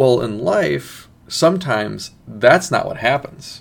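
Using lively intonation and some vocal fry, a man talks at a fairly slow pace and medium pitch. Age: 30s. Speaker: solo podcaster on personal finance and self-improvement. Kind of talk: casual solo monologue. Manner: conversational, with frequent filler words.

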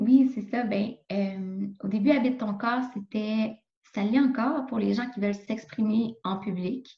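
A woman's somewhat breathy, fairly high voice in a Beauce accent, at a very slow pace with fairly even intonation. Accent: Québécois French (Beauce). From Quebec, Beauce region. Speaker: professional dancer and movement coach. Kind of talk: interview conversation.

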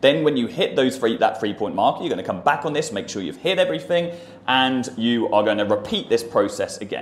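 A man's voice over noticeable background noise. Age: 20s. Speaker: business coach and online entrepreneur. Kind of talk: motivational tutorial. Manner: animated.

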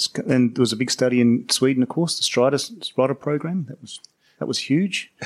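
With an Australian accent, a man talks at a moderate pace and medium pitch, his pitch varying in an ordinary way while his loudness swings widely. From Australia, Adelaide. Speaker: forensic toxicologist co-hosting conference podcast. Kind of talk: casual chat.

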